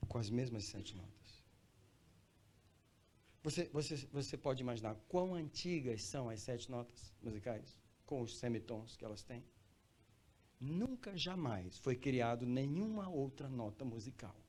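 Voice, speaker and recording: A pastor preaching in church, swinging from quiet talk to loud, high cries and calling listeners brother. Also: male voice, expressive, a little slow. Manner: addresses listeners as brother, repeats phrases for emphasis. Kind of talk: sermon.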